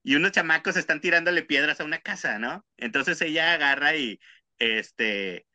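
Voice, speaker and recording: A man's voice: fairly high pitch, moderate pace, pushed and bright, dry recording. A man with a Mexican accent, casually chatting as a podcast co-host, rambling and slangy, tagging lines with tag questions. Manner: slangy, rambling storytelling with frequent "¿no?". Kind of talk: casual chat.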